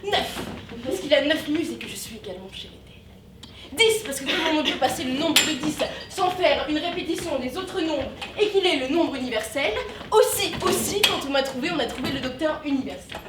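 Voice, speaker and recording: A self-important, lecturing doctor who rattles off endless points, played on stage by a young woman. The voice sits high and carries through a roomy hall, heard from some distance with a faint hiss underneath. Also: expressive, fairly quick. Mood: pompous. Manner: lecturing, declamatory, long enumerations. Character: pompous pedantic male doctor, self-important. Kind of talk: stage comedy acting. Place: theatre stage. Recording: roomy stage sound from afar, faint noise.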